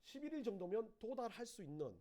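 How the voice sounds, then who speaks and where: Male preacher, storytelling sermon delivery, high and animated. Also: fast. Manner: animated storytelling, acting out quoted voices. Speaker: pastor.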